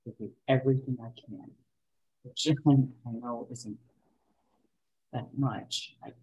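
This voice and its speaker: A man reading the part of an earnest young man in love, soft-spoken and halting, at a script table read. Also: mid-range voice, fairly even intonation, breathy edge, dull audio. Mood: tender.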